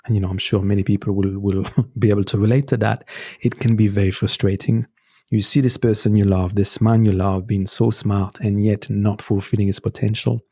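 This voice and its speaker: A man's voice: lowish voice, darkish tone, no room sound. A man whose first language is French, giving earnest, practical advice in a casual podcast conversation, with frequent "you know" asides and restarts. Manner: gives practical advice, sometimes pointed. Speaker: guest, movement teacher.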